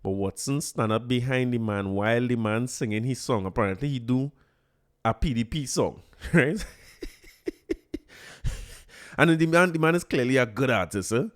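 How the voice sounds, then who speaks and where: A Trinidadian man hosts his own podcast in a loose, chatty way. He jokes, laughs often and stumbles over repeated words, and his voice sits at an ordinary middle pitch. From Trinidad and Tobago. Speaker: podcast host. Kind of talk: casual solo commentary.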